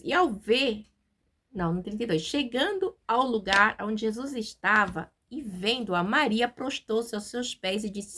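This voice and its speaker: A woman with a Brazilian Portuguese accent giving an informal devotional Bible talk, chatty, with many fillers and tag questions, and reading verses slowly. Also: mid-range voice, fairly bright tone. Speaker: Bible teacher.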